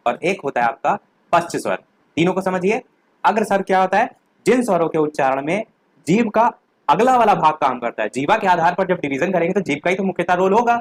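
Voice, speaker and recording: Male teacher, revision lecture, higher voice, dry close sound, asks and answers own questions. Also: no room sound, poor audio. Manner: explains step by step, asks questions then answers them.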